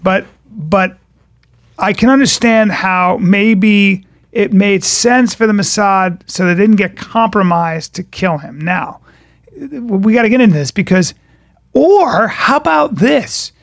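High-voiced male podcast host, dry sound. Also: dry recording. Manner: eager questions and quick agreeing interjections. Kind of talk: casual podcast interview.

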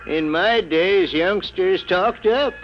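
A man's voice: high voice, slow, a bit bright, soft background music, rough recording. An actor playing a crusty, folksy older small-town newsstand man, grumbling a little, in a 1950s radio drama. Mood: gruffly friendly. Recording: vintage 1950s radio recording.

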